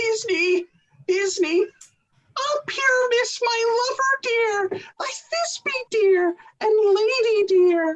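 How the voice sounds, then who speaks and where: An extremely high-pitched, put-on character voice drawls at a very slow pace. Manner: pining, theatrical.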